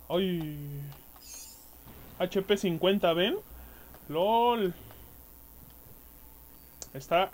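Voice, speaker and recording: A young Mexican man doing casual gameplay commentary, excitable, swearing and yelling at enemies. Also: high-pitched. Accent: Mexican Spanish. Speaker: gaming youtuber.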